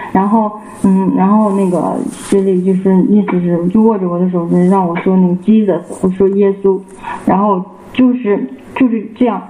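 A man giving a personal church testimony, halting and repeating himself with many fillers. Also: sits high, dark tone. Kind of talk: casual spoken personal testimony. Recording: roomy with faint background noise.

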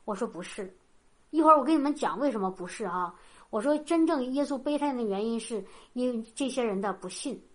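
Higher-voiced woman preaching casually. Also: lively intonation, quick pace. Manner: informal, often tags sentences with a soft "ha"; loose and repetitive, with frequent restarts. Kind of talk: conversational sermon with Bible reading.

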